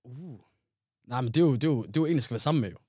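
A man's voice: medium pitch, breathy edge, no echo, studio quality. A man chatting casually and teasingly with a friend, playful and full of slang. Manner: playful, teasing, lively, mixes Danish with English slang. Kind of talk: casual chat.

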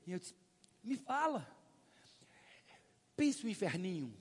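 A man's voice: high voice, a little slow, breathy edge, big-room sound. A man giving a live sales training talk, telling stories, acting out dialogue and prompting his audience to answer. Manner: animated storytelling, acts out dialogue, prompts audience.

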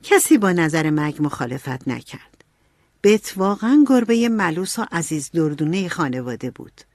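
A woman reads a storybook aloud with expressive narration, her somewhat low voice moving through a wide, lively range. The recording is dry and close, with no room sound. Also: dry recording. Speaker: audiobook narrator.

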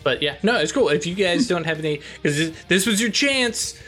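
A man narrating as game master of a tabletop role-play, talking in a halting way with many fillers and restarts. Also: high voice, animated, pushed and bright, soft background music. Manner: halting, lots of fillers and self-corrections.

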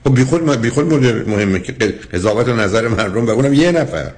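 A man's voice: mid-range voice, expressive, a little hiss or hum. An older man hosting a call-in counseling show, talking to callers in a blunt, teasing, lecturing way. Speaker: counselor host. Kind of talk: call-in advice talk.

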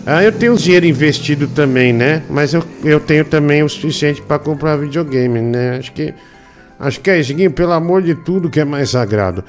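A man from Brazil, hosting a casual live stream, slangy and teasing at an unhurried pace. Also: a little high, soft background music. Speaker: livestream show host.

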